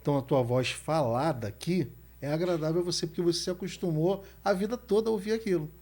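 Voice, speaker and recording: A man's voice: on the high side, fast talker, darkish tone. Man hosting casual interview. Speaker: podcast host.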